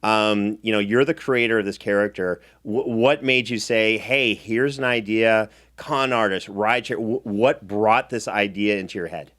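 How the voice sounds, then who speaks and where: A man's voice: on the low side, moderate pace, few pauses, fairly bright tone. A man hosting a casual recap show, talking in a playful, mock-indignant way. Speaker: podcast host and show producer.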